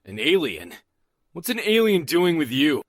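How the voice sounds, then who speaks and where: A man playing a gruff, suspicious rural rifleman in an audio drama, folksy and threatening, easily rattled. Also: on the high side, sing-song, unhurried, no room sound. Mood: alarmed, nervous. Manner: folksy, threatening, barking orders.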